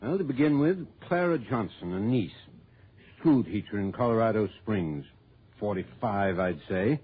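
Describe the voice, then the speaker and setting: A precise insurance office manager briefs a visitor in a matter-of-fact tone. His voice is husky. It comes through a thin, phone-like old radio sound. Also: fairly low pitch, expressive, a little slow.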